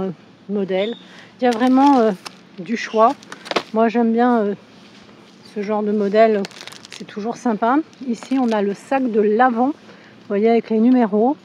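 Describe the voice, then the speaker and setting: A woman with a hoarse voice from a cold, chatting casually as she shows products in a supermarket on a handheld phone. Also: a little high, warm tone, slight background noise. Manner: chatty, with frequent fillers. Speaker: shopping vlogger. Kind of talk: casual store walkthrough. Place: inside a supermarket.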